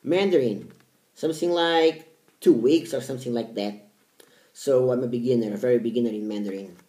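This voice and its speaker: A man's voice: medium pitch, mellow, roomy sound. A man, talking casually to camera about his language studies and often restarting his words. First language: Portuguese. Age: 30s. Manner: halting, repeats words, stresses each language name. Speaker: language learning vlogger.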